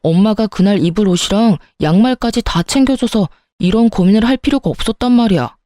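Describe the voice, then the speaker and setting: A woman's voice: mid-range voice, a little fast, mellow, natural voice. A woman voicing an indecisive, helplessly dependent grown man who talks in a hesitant, pleading way. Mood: whining. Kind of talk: storytelling with acted dialogue.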